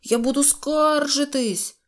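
A woman voicing a boastful, hot-headed little boy in an audio fairy tale, shrill and excitable. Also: fairly quick, close to an everyday voice. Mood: indignant.

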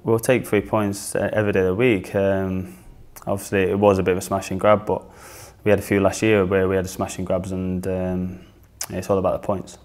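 A young football player from northern England answers questions casually in an interview, seated in a small studio. His low, deep voice stays flat and level, and he talks fairly quickly. He's hesitant, stumbling through many fillers and restarts.

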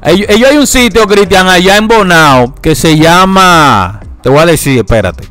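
Bromista barbero dominicano, voz algo aguda. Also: male voice, high-pitched, animated, moderate pace, fairly bright tone. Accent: Dominican Spanish. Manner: joking, teasing, laughs often. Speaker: podcast host and barber. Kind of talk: casual barbershop podcast chat.

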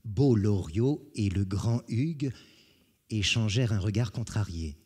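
A man giving an expressive live literary reading in a large auditorium, moving theatrically between hushed and loud passages. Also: on the low side, a little slow, slightly rough. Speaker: reader.

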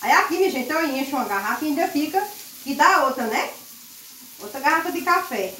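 A woman vlogging casually while she cooks at the stove at home, loud and chatty, laughing often. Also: high voice, lively intonation, brisk, a little hiss or hum. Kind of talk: casual chat while cooking. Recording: echoey kitchen, mic set far off.

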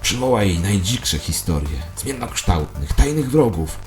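A man's voice: fairly low pitch, big pitch swings, unhurried, a little mellow, faint music behind. A man voicing a solemn, doctrinaire conspiracy ideologue preaching emphatically in a satirical audio drama. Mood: fervent, conspiratorial.

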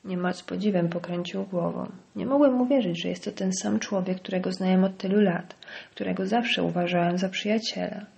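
Woman reading an audiobook, steady dramatic narration, kinda muffled lo-fi sound. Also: on the low side, a little fast, gravelly.

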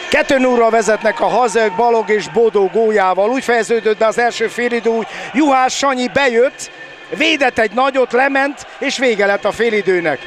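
An older man of about 70 with a very high voice delivers excited Hungarian futsal commentary, often shouting and repeating words. He speaks into a headset from the balcony of a large indoor sports hall, with the hall's noise in the background.

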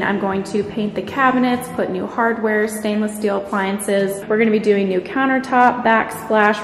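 A woman giving a casual, enthusiastic house tour as a home renovation vlogger, recorded inside an empty house. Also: medium pitch. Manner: upbeat, enthusiastic. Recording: echoey empty rooms, music underneath. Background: background music.

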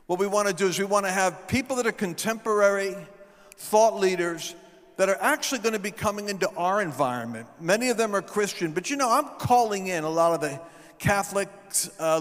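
Middle-aged man, high voice, revival preacher, storytelling on stage, handheld mic, long hall echo. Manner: storytelling, building to shouted proclamations. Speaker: guest speaker. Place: large event hall stage.

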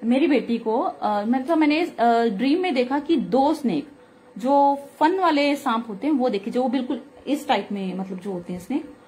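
A woman's voice: high-pitched, lively intonation, moderate pace, mellow, soft background music. A woman with a sore throat, earnestly recounting a devotional experience in casual spoken testimony. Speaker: devotional speaker sharing a satsang.

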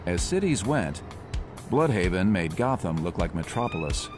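A man narrating a motion comic in a measured, descriptive manner. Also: low voice, big pitch swings. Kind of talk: scripted narration. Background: music.

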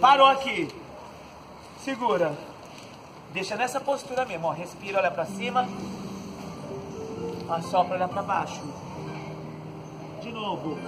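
A Brazilian man leading an outdoor stretching class, giving calm breathing cues and joking lightly as he moves the group through each pose. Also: high-pitched, unhurried, long pauses, heavy background noise. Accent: Brazilian Portuguese. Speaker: fitness instructor. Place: outdoor court, large open space. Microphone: far camera on the ground. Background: background music.

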